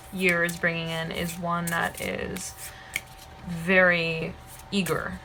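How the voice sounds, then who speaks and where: A woman with a slightly hoarse voice gives a tarot reading to her viewers, meandering and checking in with "okay?" and "right?". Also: lowish voice, a bit bright, slight background noise, low-quality recording. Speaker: tarot reader.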